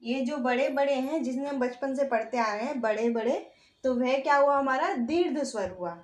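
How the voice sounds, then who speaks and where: A woman with a high voice teaches a grammar class in a roomy, echoing space. She puts questions to her students and answers them herself, going over each point again with patience. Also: normal speed. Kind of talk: online Hindi grammar lesson.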